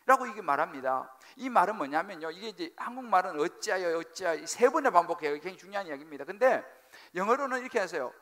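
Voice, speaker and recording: A male pastor gives a sermon in a church sanctuary with a high, bright voice that swoops up and down. He jokes, throws questions at the congregation, and slips into acted-out dialogue. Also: quick pace. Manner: animated, humorous, acts out quoted dialogue. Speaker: senior pastor.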